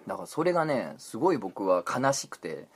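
A man's voice: on the low side, big pitch swings, a little fast, husky. Joking man with Osaka dialect. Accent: Osaka Kansai dialect. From Osaka, Japan. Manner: joking, playful, hams up exaggerated Osaka dialect. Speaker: podcast co-host, manga artist. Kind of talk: casual chat.

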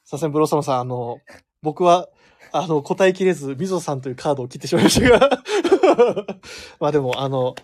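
A man's voice: fairly high pitch, lively intonation. A man hosting a live radio show in a studio, chatting casually and joking with a guest. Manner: fast, joking, laughs often. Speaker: radio host.

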